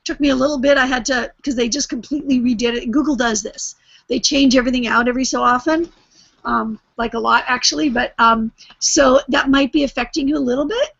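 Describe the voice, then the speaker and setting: A woman hosting a video call chats breezily with a high, bright voice and a gravelly edge. Her sound is dry and close, with the dull, lo-fi quality of call audio. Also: steady tone, a little fast, no room sound. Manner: chatty, breezy troubleshooting. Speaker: show host.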